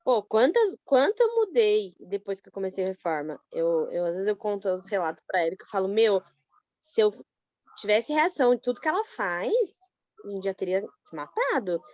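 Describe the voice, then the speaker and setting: A Brazilian woman in a study group, telling a personal story in a chatty, animated way with many fillers. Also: mid-range voice, normal speed, no echo. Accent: Brazilian Portuguese. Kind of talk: casual personal account.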